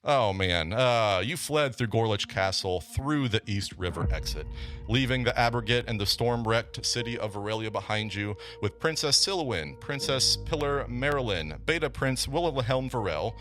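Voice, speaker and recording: A man's voice: medium pitch, animated, normal speed, fairly bright tone, soft background music. A man hosting a tabletop game podcast as game master, chatting casually and recapping the story, with frequent stumbles and laughs. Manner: chatty, stumbling over words, laughs often.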